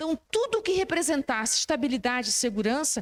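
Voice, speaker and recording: High pitch from a woman, the sound dry and close with no echo. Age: 60s. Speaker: spiritist speaker. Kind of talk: talk with slides. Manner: casual.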